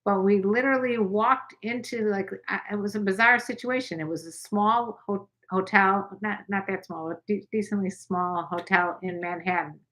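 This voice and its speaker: An older woman hosting a casual livestream chat, rambling with quick asides. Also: medium pitch, fairly bright tone, rough recording. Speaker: channel host.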